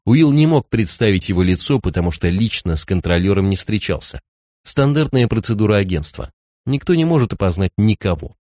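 A man narrating a thriller audiobook in an even, measured storytelling voice on a close studio mic. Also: lowish voice, no room sound. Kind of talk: scripted narration.

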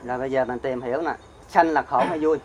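A man's voice: mid-range voice, steady tone, fast talker, over a noisy crowd. A man, a Buddhist monk, giving a dharma talk, questioning his listeners and explaining terms one by one. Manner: asks the audience questions and answers himself; explains terms step by step, recites verse.

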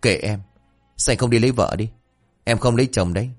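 A man voicing a gentle young village woman who scolds her wayward older brother in an exasperated, quick manner. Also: medium pitch, soft background music, pitched above the performer's own voice, natural voice. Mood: exasperated scolding.

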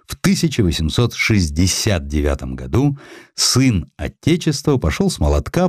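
A man narrates a historical sketch in a very low voice. His delivery is theatrical and highly animated, swinging widely in pitch. The sound is dry and close, with hardly any room. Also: no echo. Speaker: audiobook narrator. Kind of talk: expressive dramatized reading of historical sketch.

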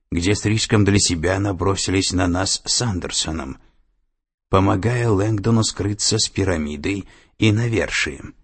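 A man's voice: deep voice, breathy edge, pitched above the performer's own voice. A man voicing a cold, domineering female security director, with an icy, commanding and menacing manner. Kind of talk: audiobook character voice.

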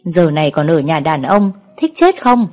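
A woman doing a protective older brother, brisk, scolding, somewhat low voice, quiet music behind. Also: big pitch swings.

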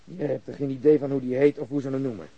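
A police questioner in a radio play. He has a medium-pitched voice with clipped, probing delivery. The sound is dry, with no room around it. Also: steady tone, fast talker, vocal fry, dry recording, muffled recording. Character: probing male police interrogator. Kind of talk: audio drama acting.

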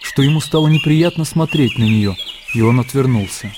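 A man reading the narration of a classic radio play in a measured, even manner. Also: medium pitch, noisy background. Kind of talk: scripted literary narration.

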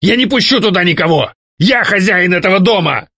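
A man's voice: high voice, lively intonation, brisk, no room sound, studio quality, pitched above the performer's own voice, exaggerated voice. A man doing a jealous ghost ex-husband. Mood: angry. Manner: shouting, petulant, pleading. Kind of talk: audiobook character voicing.

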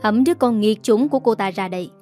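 A woman's voice: medium pitch, fast, faint music behind, lightly acted. A woman voicing a harsh, furious mother-in-law who gives orders, in an audio story. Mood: commanding. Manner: shouting, commanding.

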